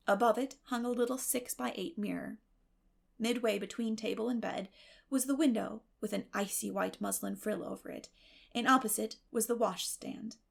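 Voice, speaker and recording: A woman narrates a literary audiobook from a script. Her voice has a noticeable creak at a middling pitch, and her storytelling is measured and expressive.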